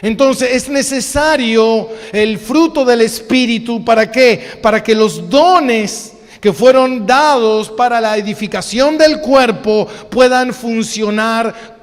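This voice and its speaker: Argentine male pastor, emphatic sermon delivery, unhurried, echoing church hall. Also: very high-pitched. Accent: Argentine Spanish. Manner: slow, emphatic preaching with rhetorical questions and repetition.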